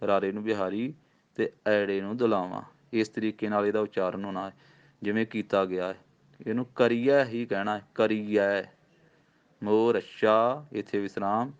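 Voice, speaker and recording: Man, patient scripture recitation teacher, low smooth voice, dull lo-fi sound. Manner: patient, slow spelled-out recitation. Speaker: Gurbani pronunciation teacher. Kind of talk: recitation lesson.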